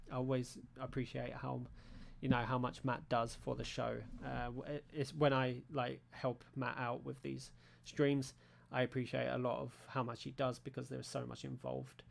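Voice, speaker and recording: A man's voice: creaky, slight background noise. A man from Britain hosting a league stream recap in a casual, rambling way, full of fillers and restarts. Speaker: league show host. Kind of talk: casual stream wrap-up commentary. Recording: low-volume audio from his end.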